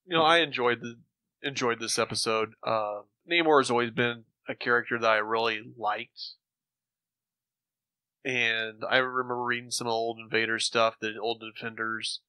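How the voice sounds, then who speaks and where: A male podcast panelist speaks in a casual, reflective way. The voice is very bright and crisp-edged, with a dry recording. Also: mid-range voice, steady tone, normal speed, no echo, low-quality recording.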